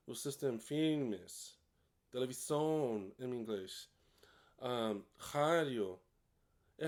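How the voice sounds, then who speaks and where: Native English-speaking man teaching in Portuguese with an English accent, a bit high-pitched, direct and upbeat, repeats every point in both languages. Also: darkish tone. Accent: English speaker learning Portuguese. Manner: encouraging, direct. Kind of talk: casual bilingual lesson.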